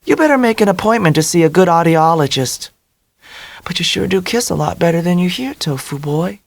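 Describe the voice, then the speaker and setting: A man's voice: sits high, expressive, brisk, vocal fry, no echo, voice pushed up. A man voicing an ebullient, quirky young blonde woman who talks in a bubbly, confident way. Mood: breezy.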